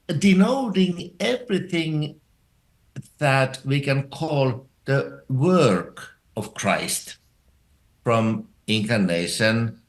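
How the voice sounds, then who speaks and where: Finnish-accented male theology professor, unhurried, halting, thoughtful guest. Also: medium pitch. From Finland. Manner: slow and measured, many hesitations. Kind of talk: interview, explaining theology. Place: residence in Finland.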